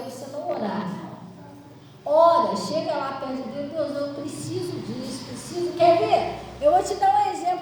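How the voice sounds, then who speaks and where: A woman's voice: high-pitched, a little hiss or hum. A woman pastor preaching a sermon in a chatty, storytelling way to her congregation. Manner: conversational, animated storytelling to the congregation. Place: church hall. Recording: distant mic in an echoey church hall.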